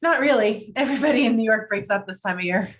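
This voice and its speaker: A woman's voice: a little high, animated, fast talker, natural voice. Actress playing an earnest, newly single New York woman. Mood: brisk, guarded. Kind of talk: table read of romantic comedy film script. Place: indoors, virtual video-call table read.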